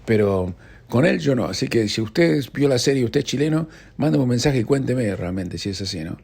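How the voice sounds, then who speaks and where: A man's voice: medium pitch, animated, fairly quick, creaky, a little mellow, breathy edge. A man with an Argentine accent hosting a radio news show, chatting casually with wry, ironic asides. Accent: Argentine Spanish. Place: radio studio.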